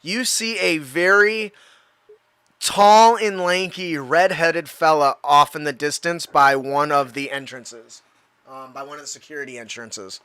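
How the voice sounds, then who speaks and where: A man narrating a tabletop superhero game as game master, rambling with many pauses. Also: a little high, fairly even intonation, bright, forceful tone, clear, resonant tone, no room sound. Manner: rambling, lots of ums and uhs.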